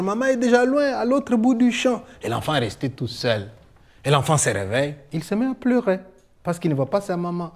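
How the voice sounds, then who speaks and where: A man telling a folk tale live and leading the audience in a sing-along, with expressive sweeping delivery. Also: a little high. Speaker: storyteller.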